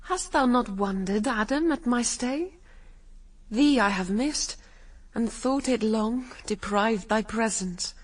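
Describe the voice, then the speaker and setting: A blithe, seductive first woman in a classical radio drama. Her high voice is hushed and breathy as she draws out persuasive verse. She sounds slightly away from the mic. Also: slow, distant mic. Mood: loving, yearning.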